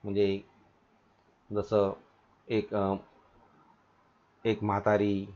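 A man's voice: fairly low pitch, completely flat delivery, extremely slow, darkish tone. A male teacher giving a recorded lesson to young children, patient and hesitant, repeating his instructions. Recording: dull lo-fi recording.

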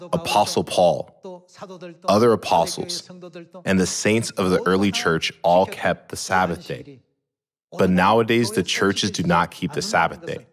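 A middle-aged man preaching a sermon at a pulpit, measured and posing rhetorical questions he then answers. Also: low voice, fairly bright tone. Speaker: pastor. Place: large church hall, at a pulpit. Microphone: podium microphones.

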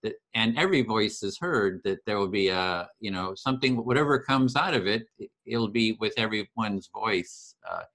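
A fairly low-voiced man speaks over a video call, earnest and enthusiastic. He talks in a casual, searching way, often restarting his phrases. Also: moderate pace, fairly bright tone. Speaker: host of empathy circle series.

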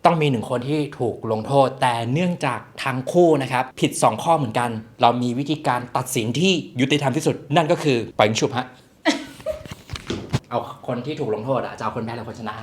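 A man's voice: mid-range voice, fairly quick, slight background noise. A man hosting a joke quiz game in a casual, teasing way, laughing often between questions. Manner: jokey, laughs often, polite ending particles.

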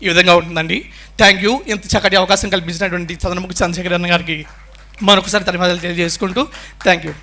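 Man mc-ing his own mimicry act, politely announcing each bit, high and bright. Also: steady tone, fast. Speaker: mimicry artist. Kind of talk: stage patter introducing impressions.

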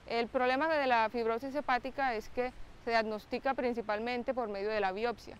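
A young woman, a biomedical engineer, speaking to camera outdoors in a clear, explanatory way with occasional "eh" fillers. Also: on the high side, steady tone, normal speed, dull audio, a little hiss or hum. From Colombia. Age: young adult. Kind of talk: to-camera interview. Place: outdoors by a lake with trees. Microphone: close mic, framed head-on.

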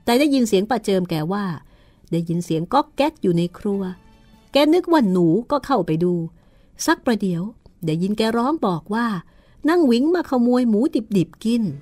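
A hoarse woman voicing an earnest, polite young male house servant in a horror novel read-aloud. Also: fairly high pitch, big pitch swings, moderate pace, warm tone, no echo, faint music behind, voice pushed up. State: hoarse from a cold.

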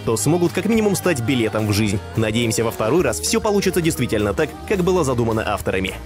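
A man's voice: medium pitch, very animated, fast, over music. A man reading scripted narration as the narrator of a film preview show. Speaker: narrator of a movie preview list.

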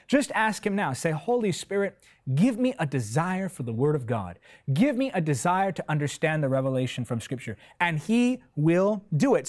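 A man in his twenties preaching a sermon in a studio, emphatic and passionate, with repetitive phrasing, on a lapel mic. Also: fairly high pitch. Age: 20s. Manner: impassioned, emphatic, with repetitive phrasing and big hand gestures. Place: TV studio set, indoors.

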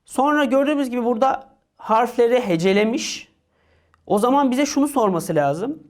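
A woman teaching an English lesson for exam prep, reading each English phrase slowly and then explaining it. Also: on the high side, lively intonation. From Turkey.

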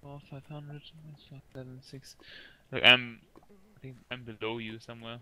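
A man's voice: medium pitch, fairly even intonation, moderate pace, sharp tone. A man chatting casually with teammates while playing a game, joking and laughing often. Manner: playful, laughs often, jokey. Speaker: gamer playing in a team. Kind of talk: casual gaming chat.

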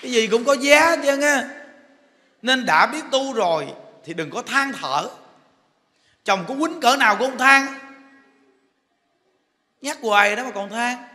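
Southern Vietnamese monk, high and sharp-toned, joking through his sermon in a reverberant hall. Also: expressive, a little slow, long pauses. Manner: joking storyteller, chatty and teasing. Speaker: monk giving a dharma talk. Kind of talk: humorous sermon. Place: temple hall.

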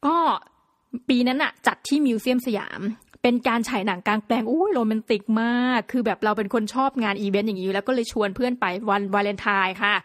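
A woman hosting a podcast tells stories in a chatty, playful way, full of lively little exclamations. Her voice sits a bit high. The sound is close and dry. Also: fast talker, no echo. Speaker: podcast host. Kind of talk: casual solo podcast talk.

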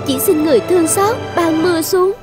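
A woman playing a devout, self-sacrificing young tribal maiden in an animated folktale, earnest and reverent. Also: very high voice, brisk, music in the background. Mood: reverent pleading. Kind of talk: dubbed animated folktale acting.

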